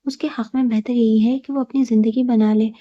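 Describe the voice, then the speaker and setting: A woman voicing a cold, smug young husband who talks in a calm, cutting, unbothered way. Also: fairly high pitch, no echo, natural voice. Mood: cool. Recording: dull lo-fi recording.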